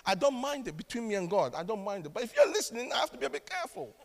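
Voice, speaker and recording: A man with a Ghanaian accent preaching a sermon in a dramatic, animated way. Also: extremely high pitch, racing, vocal fry, in a large hall. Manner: dramatic, animated, mimics other pray-ers.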